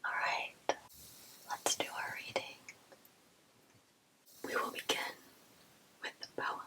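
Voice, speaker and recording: Woman, soft unvoiced whisper, slow and bright, ASMR poetry reading. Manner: soft unvoiced whisper, playful archaic quips.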